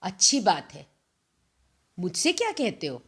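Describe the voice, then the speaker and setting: A woman voicing a resolute young woman freedom fighter in a dramatic story reading, asking measured, pointed questions. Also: fairly low pitch, huge pitch swings, a bit bright, slightly rough, exaggerated voice. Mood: cold, probing. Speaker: voice actor in a narrated story.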